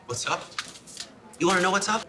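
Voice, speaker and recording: A man's voice: high voice, lively intonation, a little fast, background noise. A man acting as an angry, wounded gay coffee-shop owner in a dramatic film. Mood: sarcastic anger.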